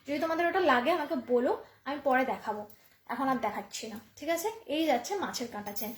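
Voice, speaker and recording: High-voiced woman selling jewellery live. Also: animated, quick pace. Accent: Bengali. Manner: repeats prices, chatty, addresses viewers directly. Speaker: online jewellery seller. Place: home room. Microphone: phone camera. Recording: echoey room.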